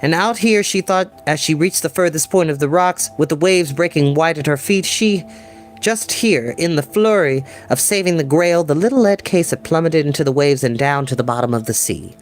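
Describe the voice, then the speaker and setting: A man's voice: a little high, lively intonation, moderate pace. Young man narrating a story over music. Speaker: storyteller reading a novel aloud. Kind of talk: expressive audiobook-style narration. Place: small room at a desk. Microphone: desk microphone.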